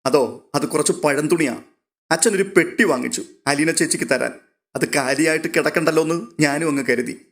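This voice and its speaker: A man's voice: a little high, normal speed, natural voice. A man voicing a playful young woman who teases and jokes with her family. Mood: teasing. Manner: teasing, bubbly.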